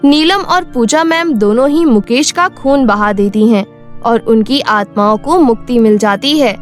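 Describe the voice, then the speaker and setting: Casting: female story narrator, high voice, dramatic scripted delivery, faint music underneath. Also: a little slow.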